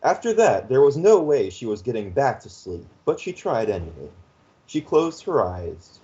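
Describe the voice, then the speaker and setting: Lively male fanfic narrator. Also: mid-range voice, moderate pace, lo-fi sound. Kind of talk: reading fanfiction aloud.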